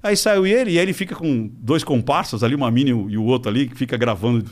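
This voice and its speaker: Here a man with a mid-range voice speaks at a quick pace as an interview guest, spinning a story in casual conversation. He animatedly mimics the voices of the people in it and doesn't hold back on swearing.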